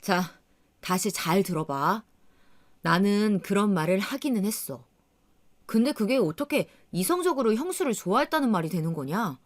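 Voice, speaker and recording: A woman's voice: mid-range voice, lively intonation, moderate pace, lightly acted. A woman voicing an exasperated young husband who brushes off an accusation in blunt, dismissive talk.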